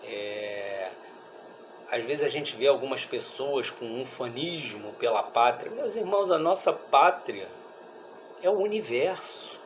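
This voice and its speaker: A man with a Brazilian accent giving a religious study talk in a reflective, halting way, often checking in with listeners. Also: mid-range voice, lively intonation, slight background noise, low-quality recording. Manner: reflective, halting, with frequent rhetorical check-ins. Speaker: speaker at a Spiritist study group.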